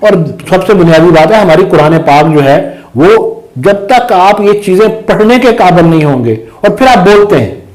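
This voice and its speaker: An emphatic man with a fairly high voice whose first language is Pahari. He argues his points in a political discussion and keeps pressing with rhetorical questions. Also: animated, moderate pace, few pauses, darkish tone, low-quality recording. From Azad Kashmir. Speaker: guest commentator.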